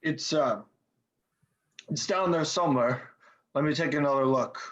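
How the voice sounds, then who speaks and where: A man's voice: on the high side, measured pace, fairly bright tone. A man playing a laid-back but indignant stoner slacker, hesitant and slangy, in a table read. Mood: hapless. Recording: dull, muffled online-call audio.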